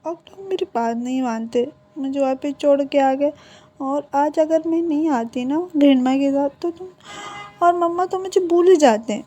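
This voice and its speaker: A pampered little girl whines and pouts in a higher, sing-song voice, as a woman storyteller puts her on. The voice sits on the high side but stays mellow and soft, with a hoarse edge from a sore throat. It sounds like a girl sulking in a read-aloud fan story. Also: normal speed, soft background music, close to an everyday voice. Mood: sulky pouting. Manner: whining, pouting pleas.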